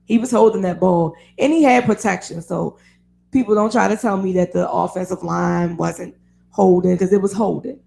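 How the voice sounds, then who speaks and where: Raspy-voiced woman hosting sports radio. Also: on the low side, fairly even intonation, moderate pace, warm tone, a little hiss or hum. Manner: chatty, opinionated, laughs often. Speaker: radio show host. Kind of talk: casual sports talk radio. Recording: online radio show.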